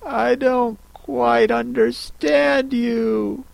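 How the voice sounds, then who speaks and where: A man voicing a polite, puzzled young girl who speaks softly and cautiously. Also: very high voice, creaky, dry recording, voice pushed up, exaggerated voice. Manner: polite, cautious, soft and slow.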